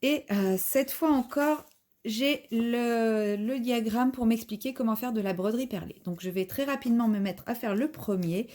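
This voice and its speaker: A woman's voice: on the high side, normal speed, dark tone. A woman vlogger in a casual unboxing video, chatting as she describes each craft item while she unpacks it at home.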